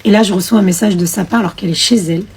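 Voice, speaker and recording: A young woman tells her personal testimony with real emotion. Her voice is mellow and a little husky, and she acts out each remembered conversation. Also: medium pitch, racing. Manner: emotional, storytelling with fillers and quoted dialogue.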